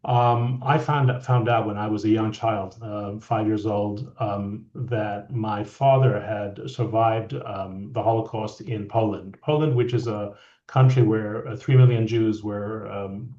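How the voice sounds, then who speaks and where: A middle-aged man from France, a guest leadership coach, talking in a reflective, halting way with many restarts. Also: on the low side, fairly even intonation, warm tone. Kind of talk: conversational interview. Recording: echoey, dull lo-fi audio.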